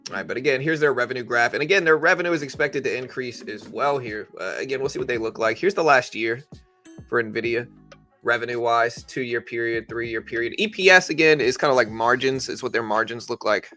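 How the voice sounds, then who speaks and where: A man with a bright, forceful voice at an average male pitch talks through the markets as a livestream host. His delivery is conversational and explanatory, as if answering a chat. Music plays faintly behind him. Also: brisk. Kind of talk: casual live stock market commentary, answering chat.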